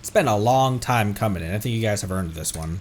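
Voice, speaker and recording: A man's voice: lowish voice, expressive, quick pace, a little hiss or hum. A man streaming a video game with casual, chatty commentary.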